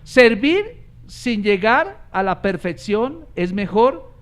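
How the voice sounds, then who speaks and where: A man preaching in church, his voice sitting high for a man. He moves between emphatic, raised exhortation and softer storytelling, miked at the pulpit. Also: very animated, slow pace. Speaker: pastor. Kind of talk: sermon.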